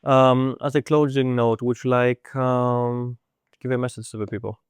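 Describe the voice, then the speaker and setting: A man from Greece interviewing a home cook, speaking in a slow, halting, affirming way. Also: mid-range voice, flat delivery, smooth, no room sound, clean studio sound. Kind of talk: casual interview.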